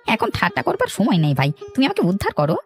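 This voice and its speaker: Greedy, jittery cartoon villager male actor, pleading in a high, wildly lively voice, music underneath. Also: fast, gravelly, exaggerated voice. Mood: wheedling, urgent. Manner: wheedling, flustered. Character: shifty, nervous, pleading greedy village man. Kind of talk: animated cartoon story acting.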